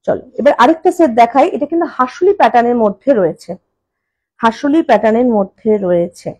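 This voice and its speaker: Woman, high husky voice, live-stream jewellery seller, repeats prices slowly, fast chatty asides, phone mic. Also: very animated, darkish tone, low-quality recording. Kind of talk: live-stream sales talk. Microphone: phone camera.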